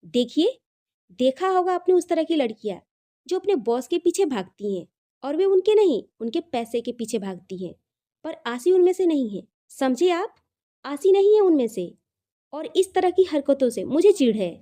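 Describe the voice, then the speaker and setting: A woman narrator acts out a proud young woman in an audio romance. She scolds in a high, lively swooping voice with a soft, mellow tone, dramatic and indignant, dropping English words into her speech. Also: normal speed. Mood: indignant, scolding. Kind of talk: dramatised audio love story dialogue.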